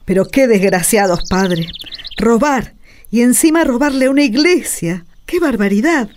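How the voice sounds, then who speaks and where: A woman's voice: fairly high pitch, expressive, moderate pace, a little mellow, slight background noise, natural voice. Actress as fussy parish woman, birdsong behind. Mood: indignant. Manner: exclaiming, deferential. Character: devout, indignant female parish helper, fussing over her priest. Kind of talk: radio drama acting.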